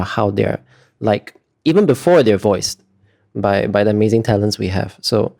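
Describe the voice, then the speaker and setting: Low, creaky-voiced man, halting delivery. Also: dark tone. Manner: hesitant, halting, with frequent pauses and fillers. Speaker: interview guest, visual artist. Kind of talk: casual explanatory interview talk.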